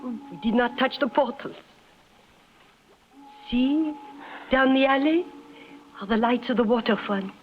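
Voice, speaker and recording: A woman's voice: on the high side, a little slow, long pauses, slight background noise, close to an everyday voice. An actress playing a passionate young woman fleeing the police with her lover, speaking in dramatic, formal, urgent phrasing in a 1950s radio drama. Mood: hushed. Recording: muffled 1950s radio broadcast with music.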